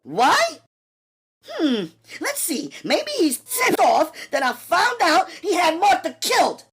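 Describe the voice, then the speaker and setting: A man voicing a tough, streetwise young New woman who talks brashly and fast. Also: extremely high pitch, wildly swooping pitch, fairly bright tone, pitched above the performer's own voice, full character voice. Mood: indignant. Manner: brash, rapid-fire, indignant. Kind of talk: audiobook character voice.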